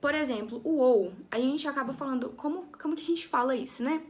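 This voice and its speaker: A woman's voice: high-pitched, brisk. A young woman teaching an English lesson to her students, chatty, often checking in with her class and restarting her sentences.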